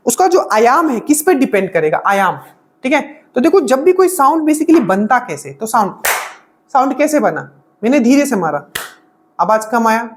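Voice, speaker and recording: Chatty woman teacher, repeats "okay?". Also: on the high side. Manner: explains with constant "okay?" check-ins and repetition. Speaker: exam-prep teacher. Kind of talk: casual spoken lecture.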